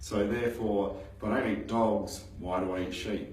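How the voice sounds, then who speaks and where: A man's voice, with ordinary shifts in pitch, carries audible echo from the room. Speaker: vlogger practicing public speaking. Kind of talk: casual monologue. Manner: hesitant with fillers.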